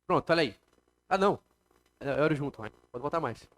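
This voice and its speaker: A man's voice: on the high side, animated, fairly quick. A man with a Brazilian Portuguese accent teaching a live classroom lecture, explaining step by step and asking the class questions. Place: classroom with students.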